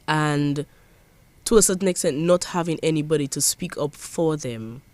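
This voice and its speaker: This young woman from Dominica, a parliamentary secretary with a Dominican accent, answers interview questions earnestly and emphatically, restarting often. Her voice is deep and a little mellow, at a moderate pace, with no room sound.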